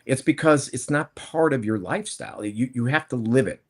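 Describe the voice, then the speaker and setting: A man's voice: mid-range voice, brisk. A man in his fifties, a guest on a panel, telling his story in a rambling, conversational way with many restarts. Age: 50s. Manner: rambling, conversational, frequent restarts and self-corrections. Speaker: panel guest, plant-based food entrepreneur. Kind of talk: casual panel chat.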